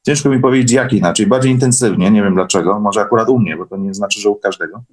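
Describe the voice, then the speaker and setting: A man with a lowish voice speaks as a guest in an informal chat. He recalls what he experienced, often halting to search for words. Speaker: guest sharing workshop experiences. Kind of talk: casual conversational recollection.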